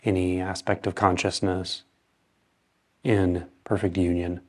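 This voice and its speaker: Male meditation guide, low and steady with little pitch movement, calm short phrases and long pauses.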